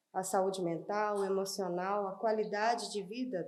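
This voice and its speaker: A woman speaks at a very slow pace in a fairly high pitch. There is audible room echo. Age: 30s. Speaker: community health agent, cyclist. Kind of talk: podcast interview. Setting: bar tasting room.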